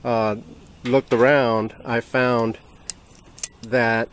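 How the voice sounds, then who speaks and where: Relaxed man, halting hobby tool review. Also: mid-range voice, clear, resonant tone. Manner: relaxed, hesitant, many ums and uhs. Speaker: hobby channel host reviewing tools. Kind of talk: casual hands-on product comparison.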